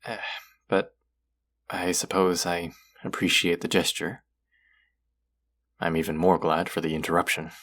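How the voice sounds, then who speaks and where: A man playing an aloof, lonely lord of the underworld who is secretly soft, speaking formally and wryly to the listener in an intimate audio roleplay. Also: low-pitched, little pitch movement, measured pace, pauses often. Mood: grudging, softening. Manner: formal, wry, guarded, addressing the listener directly.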